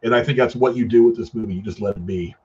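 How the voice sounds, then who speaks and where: A middle-aged man casually giving his opinions in a film discussion, haltingly repeating and rephrasing himself for emphasis. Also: mid-range voice, darkish tone, breathy edge. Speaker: film review show host. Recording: dull, lo-fi sound.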